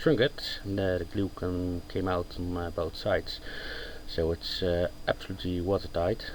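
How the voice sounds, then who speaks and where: With a Dutch accent, a man speaks at a moderate pace in a very deep, low pitch with ordinary pitch variation over noticeable background noise. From Netherlands. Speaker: DIY hobbyist. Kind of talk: casual tutorial talk to camera. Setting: outdoors, poor sound quality. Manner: hesitant, many fillers.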